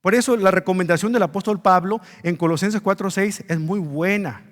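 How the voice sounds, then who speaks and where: High-voiced preacher in a reverberant church. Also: male voice, normal speed. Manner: earnest preaching, rising emphasis on key words. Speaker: pastor. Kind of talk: sermon.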